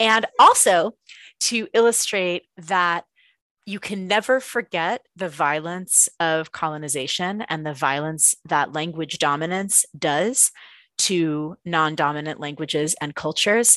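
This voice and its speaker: Against a quiet background, a woman with a Californian accent speaks at a fairly slow pace in a bright, sharp tone, with a fairly low pitch and ordinary pitch variation. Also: dry, close sound with no echo. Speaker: poet and translator. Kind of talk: interview.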